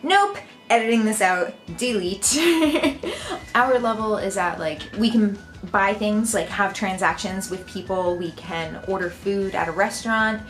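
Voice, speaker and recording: A woman's voice: mid-range voice, a little slow, fairly bright tone, soft background music. Chatty American woman vlogger. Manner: chatty, laughs often. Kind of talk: casual talk to camera.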